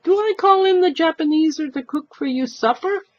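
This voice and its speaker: A woman voicing a sharp-tongued elderly Jewish immigrant wife, scolding and complaining in a storybook reading. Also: very high-pitched, normal speed, lo-fi sound, pitched above the performer's own voice. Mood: scornful, complaining. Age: older. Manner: scolding, dramatic complaining, inverted immigrant phrasing.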